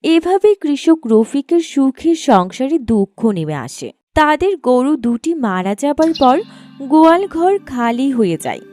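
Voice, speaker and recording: High, lively, mellow female storyteller. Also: unhurried, no room sound, faint music behind. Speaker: narrator. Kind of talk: scripted cartoon story narration.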